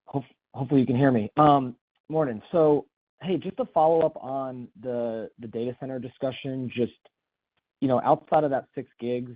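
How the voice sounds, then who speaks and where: A man's voice: medium pitch, steady tone, normal speed, no room sound. A man calling in as a financial analyst, asking questions in a casual, polite way over the phone. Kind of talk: earnings call questioning. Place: phone call. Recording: dry, thin phone line.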